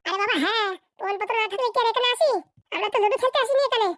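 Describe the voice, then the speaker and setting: A woman's voice: very high-pitched, very fast, a bit bright, no echo, clean studio sound. A woman voicing a bossy, impatient female politician in a comedy cartoon, curt and insistent. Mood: scolding.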